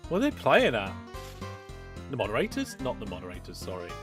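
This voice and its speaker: Man, game streamer, live commentary, animated pitch, chatty, background music. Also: fairly quick. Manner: chatty, reads viewer chat, mock alarm asides. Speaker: let's play streamer.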